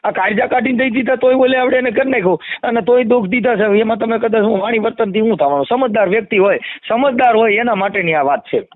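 A man with a Kathiawadi Gujarati accent argues his points insistently in an animated phone discussion, explaining and repeating phrases for emphasis. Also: extremely high pitch, quick pace, few pauses, no echo. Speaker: community activist. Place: phone call. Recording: muffled lo-fi phone call recording.

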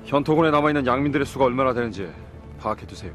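A man acting a principled commander from a historical drama. His mid-pitched voice is grave and measured, carrying firm authority over background music. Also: natural voice.

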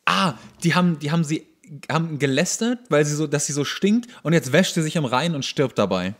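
A man's voice: fairly high pitch, animated, fairly quick. Male podcast co-host, casual and jokey, slangy sarcastic running commentary. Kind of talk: casual banter, commenting on a TV show.

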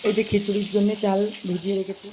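A woman vlogger with a hoarse voice from a cold, chatting casually to her viewers and repeating herself. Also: mid-range voice, level tone, fast talker, noisy background. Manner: chatty, repetitive, addresses viewers directly. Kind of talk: casual vlog narration to viewers.

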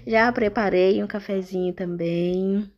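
A woman's voice: medium pitch, fairly even intonation, measured pace, highs cut off. A woman with a Brazilian accent narrating a recipe casually and informally, often checking in with her listeners. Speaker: home cooking vlogger.

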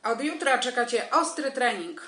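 An actress plays a stern female army major in a radio comedy. Her voice is bright and fairly high, with clipped, commanding, deadpan questions. It is a roomy home recording with some music. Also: normal speed.

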